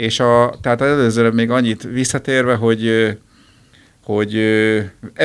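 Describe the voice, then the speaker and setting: A man speaks at a fairly slow pace with a medium pitch. The background is quiet. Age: 50s. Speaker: jiu-jitsu champion and lawyer; lawyer. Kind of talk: interview. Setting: studio. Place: office. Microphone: studio mic.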